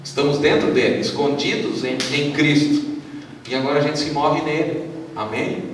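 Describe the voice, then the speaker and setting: A Brazilian pastor preaching a sermon at a youth retreat, leading the congregation in call-and-response and reading scripture aloud. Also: male voice, a little high, normal speed, slight background noise. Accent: Brazilian Portuguese. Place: large hall at a youth retreat. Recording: echoey hall, voice from far off.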